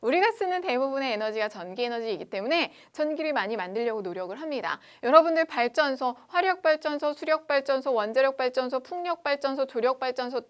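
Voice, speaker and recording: A lively woman teaching science in an online lecture, her voice sitting fairly high. She chats casually and keeps asking the students whether they follow. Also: quick pace, few pauses. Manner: lively, chatty, asks students questions.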